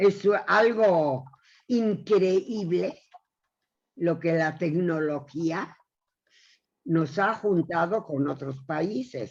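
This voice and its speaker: At a very slow pace, a woman with a fairly low pitch speaks with lively intonation and long, frequent pauses. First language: Yiddish (speaking Spanish). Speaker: retired teacher. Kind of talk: casual chat.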